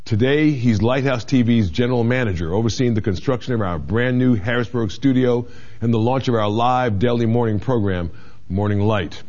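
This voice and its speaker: A man hosting an interview show, introducing his guest and asking questions with enthusiastic quick interjections. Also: mid-range voice, darkish tone, lo-fi sound.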